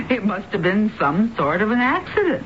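An actress playing a breezy, practical, reassuring best friend who talks in slangy phrases in a 1970s radio drama. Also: female voice, medium pitch, sing-song, measured pace. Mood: sceptical, brisk. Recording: dull, slightly noisy 1970s radio broadcast.

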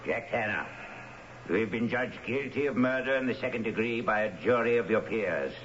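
A stern judge played by a man, formal and measured in a lowish voice. The radio drama sound is muffled with faint hiss. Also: a bit bright, close to an everyday voice. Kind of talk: 1970s radio drama acting. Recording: muffled, lightly hissy 1970s radio recording.

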